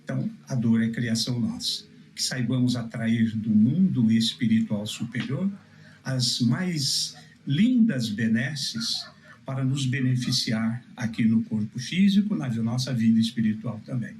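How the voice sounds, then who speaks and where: A Brazilian man preaching and teaching on religion in a solemn, deliberate way, with emphatic phrasing broken into short segments. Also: medium pitch, darkish tone, a little hiss or hum, poor audio. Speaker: minister-preacher answering questions.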